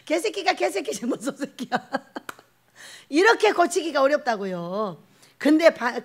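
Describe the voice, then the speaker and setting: A woman pastor delivering a lively Sunday sermon, swinging between loud exclamations and hushed asides, often laughing as she tells stories. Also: high-pitched.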